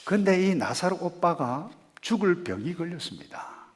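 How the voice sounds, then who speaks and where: A man preaching a sermon as pastor, dropping to hushed murmurs and rising to loud, emphatic rhetorical questions, and leading the congregation in reading scripture aloud. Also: high-pitched, big pitch swings, moderate pace.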